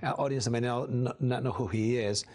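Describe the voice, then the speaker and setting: A man's voice: medium pitch, fairly even intonation, fairly quick, darkish tone. Man, TV show host, interviewer, hesitant fillers, frequent affirmations.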